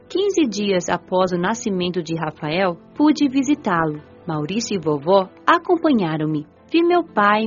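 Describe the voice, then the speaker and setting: A woman narrates a dramatized spiritual story in a gentle, reflective voice with a lively melody. The audio is slightly muffled, with a soft music bed behind her. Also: a little high. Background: soft background music.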